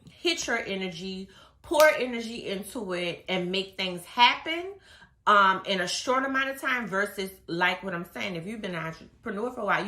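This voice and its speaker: A woman business coach giving a casual motivational talk, her voice a little hoarse and raspy. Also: mid-range voice, bright, forceful tone, roomy sound. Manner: casual, chatty, reading from notes. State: slightly hoarse.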